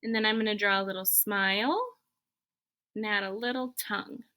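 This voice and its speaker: A woman's voice: mid-range voice, fairly even intonation, normal speed, bright, forceful tone. A woman, a schoolteacher, leading children through a step-by-step drawing lesson with simple, encouraging instructions, thinking aloud as she goes. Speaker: elementary school teacher.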